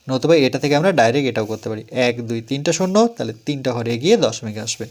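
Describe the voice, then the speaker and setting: A man's voice: medium pitch, expressive, very fast. Patient man explaining math step by step. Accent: West Bengal Bengali. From West Bengal, India. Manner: patient, repeats and counts steps aloud, asks and answers own questions. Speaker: math teacher.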